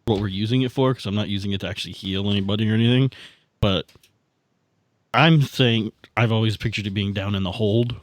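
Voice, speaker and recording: A man talking casually as a player at a tabletop game, halting and repeating his words as he thinks aloud. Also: lowish voice, no echo.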